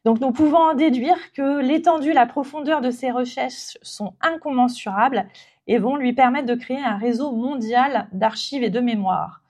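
A woman's voice: sits high, normal speed, darkish tone. A woman giving a spontaneous public talk for a heritage centre, hesitant, with many fillers and restarts.

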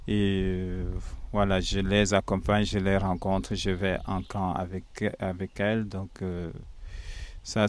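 Friar in his 30s, low smooth voice, earnest, lots of little pauses. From Cameroon. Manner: reflective and earnest, with frequent hesitations. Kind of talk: interview answers.

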